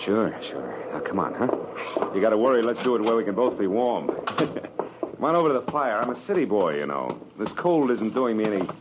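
A low-voiced, hard-boiled American private eye in a vintage radio drama. He is wry and terse, narrating and talking in slangy, tough phrases. The old recording is noisy and muffled. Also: very animated, normal speed. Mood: reassuring, tender. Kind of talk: 1940s radio drama acting, first-person narration.

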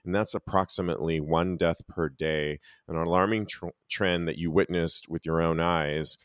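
Man, interviewer, very low voice, dry close sound, long affirming questions. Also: fairly even intonation, normal speed, clear, resonant tone, no echo. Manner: warm, affirming, reads statistics aloud, some stumbles.

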